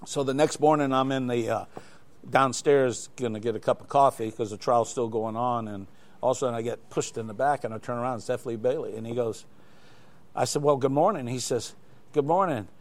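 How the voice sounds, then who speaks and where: With a mid-range voice and a fairly quick pace, the older man, a glider flight examiner, shares anecdotes as a guest in a live studio interview. His telling rambles, with frequent restarts.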